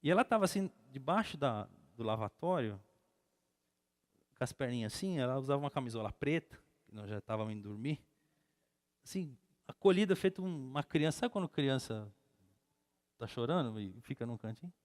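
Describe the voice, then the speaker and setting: A middle-aged Brazilian man, a pastor, telling a personal story in a sermon and building to loud, emphatic preaching. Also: medium pitch, expressive, fairly quick. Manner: storytelling, acts out quotes, grows loud and emphatic. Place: church hall. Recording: long church hall reverb.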